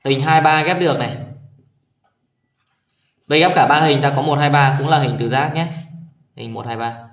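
A man's voice: fairly high pitch, normal speed, echoey room. A man teaching primary school math in a video lesson, patiently explaining each exercise and checking in with his pupils. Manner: patient, addresses pupils warmly with tag questions.

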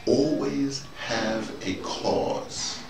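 An older American man giving a rambling, halting conversational monologue, repeating himself and speaking colloquially with emphasis. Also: medium pitch, steady tone, creaky. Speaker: host, storytelling activist. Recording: noisy, roomy, distant microphone.

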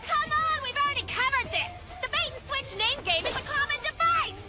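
A woman's voice: extremely high pitch, expressive, brisk. A woman voicing a bubbly, mocking teenage fashion-diva villain in an English cartoon dub, with a Valley Girl accent and an exaggerated sorority-girl drawl. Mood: gleeful mockery. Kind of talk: animated series English dub acting. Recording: loud music under the dialogue.

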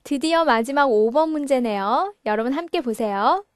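A woman's voice: high-pitched, lively intonation, moderate pace, noisy background. A woman teaching an English grammar lesson, explaining patiently and often asking check questions.

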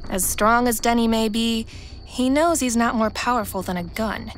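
A woman narrating a thriller audio drama in a measured, suspenseful, wry way. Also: on the high side, soft background music, lightly acted. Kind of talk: scripted narration.

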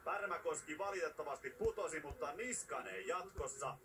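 A man calls a ski sprint live, his voice sitting a little high. It sounds captured from a distance, with clear noise under the broadcast. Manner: rising excitement at race finishes. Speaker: play-by-play commentator. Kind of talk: live sports commentary.

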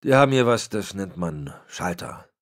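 Wry easygoing young guy, casual, lively pitch as a male reader voices him - audiobook. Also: moderate pace.

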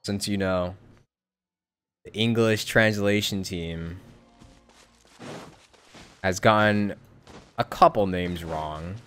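A man's voice: low-pitched, slow, pauses often, a bit bright. A man giving casual live stream commentary as a game streamer, in a wry, joking manner. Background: game music.

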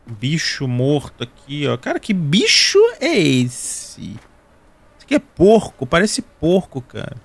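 A man's voice: on the high side, wildly swooping pitch, takes it slowly, creaky, a bit bright, slightly rough, no echo. A man in his thirties with a Carioca accent from Rio de Janeiro, casually joking and chatting with viewers while playing a game. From Brazil. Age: 30s. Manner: joking, slangy, talks to viewers. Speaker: gaming video host. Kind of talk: casual gameplay commentary.

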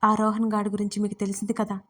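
A woman's voice: medium pitch, monotone, fast, a bit bright, lightly acted. A woman voicing an angry, resentful grown son who complains sharply about his father in an audio storybook. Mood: irritated.

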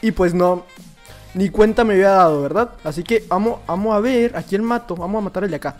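A young man with a Mexican accent commenting on his own gameplay, excitable and prone to shouts and laughter, muttering to himself between bursts. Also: high-pitched, fairly quick, soft background music. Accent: Mexican Spanish. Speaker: gaming YouTuber. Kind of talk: live Minecraft gameplay commentary.

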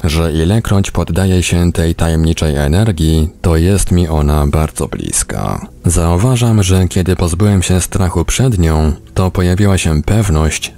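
A man reading an audiobook as scripted narration, measured and with deliberate pauses. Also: a bass voice, gravelly, a little mellow. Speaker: audiobook reader on a radio programme.

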